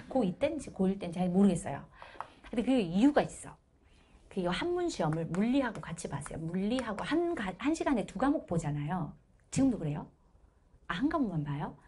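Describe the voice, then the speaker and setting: Woman math teacher, mid-range pitch that swings widely, chatty anecdote told to a live class. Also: slight background noise. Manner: animated, laughs often while telling the story. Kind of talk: storytelling during a live class. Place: lecture classroom.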